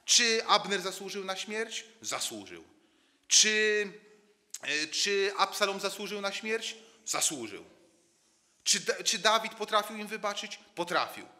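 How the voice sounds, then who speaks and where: Bright, lively male preacher in echoey church. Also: high-pitched, measured pace. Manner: dramatic storytelling, swings from loud to near-murmur; repeats words when building a point. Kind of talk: sermon.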